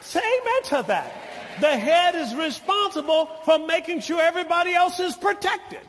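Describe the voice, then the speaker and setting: An older man preaching a sermon as pastor, teaching slowly and deliberately, then building to shouted lines and calls for amen. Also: very high-pitched, lively intonation, slight background noise. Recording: long hall reverb of a church.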